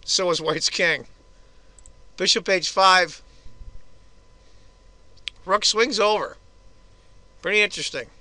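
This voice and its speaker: Hoarse man commenting on chess. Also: high voice, sharp tone, no echo. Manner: casual, chatty move-by-move analysis. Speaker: chess video host.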